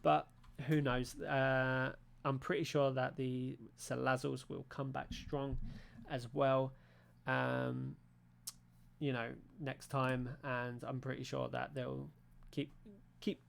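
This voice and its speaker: A British man hosts a casual wrap-up of a league stream, rambling along with lots of fillers and false starts. His delivery is flat, slow and creaky, and the audio from his side comes through at low volume.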